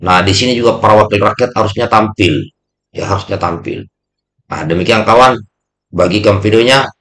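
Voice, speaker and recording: Middle aged guy, low voice, measured halting commentary into a close studio mic, repeats himself for emphasis. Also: a bit bright. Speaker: YouTube channel host, commentator. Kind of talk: commentary to camera, addressing viewers as friends. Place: small indoor home studio. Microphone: close microphone on boom arm, headphones.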